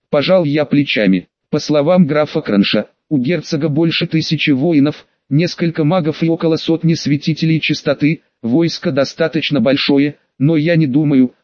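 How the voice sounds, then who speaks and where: A man reads a first-person fantasy audiobook in a wry, matter-of-fact manner, his voice a touch higher than most men's. The recording is close and dry, with a slightly dull, muffled tone. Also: no echo. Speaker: audiobook narrator.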